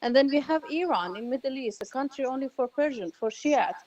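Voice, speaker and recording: Woman, Arabic native, panel speaker; hesitant delivery, fillers, slightly high-pitched. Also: lively intonation, fairly quick, darkish tone, lo-fi sound. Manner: hesitant, many ums and restarts. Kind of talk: panel talk.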